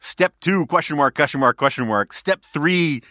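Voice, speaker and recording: A man's voice: on the high side, animated, normal speed, pushed and bright, no room sound, clean studio sound. A male podcast host in casual political chat, talking in a wry, joking, digressive way.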